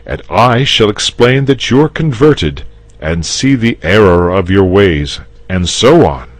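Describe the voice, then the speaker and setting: A man's voice: lowish voice, expressive, slow pace, no echo, pitched above the performer's own voice. A man voicing a confident, patient knight in a storybook reading, raising his voice and coaxing. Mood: persuading. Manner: persuasive, patient.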